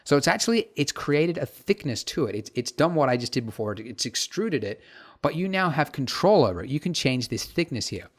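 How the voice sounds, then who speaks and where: A man teaching a casual software tutorial over his screen, chatty and full of fillers and asides. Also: medium pitch, sing-song, brisk. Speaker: tutorial instructor.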